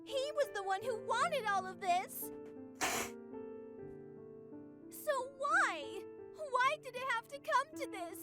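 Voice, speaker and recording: Game villain: artificial female overlord, extremely high voice, self-justifying, devoted to her mission, over clear background music. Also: lively intonation, unhurried. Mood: anguished, self-justifying. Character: cheerful female artificial being, tyrannical, self-righteous, obsessed with her mission. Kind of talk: scripted visual novel narration.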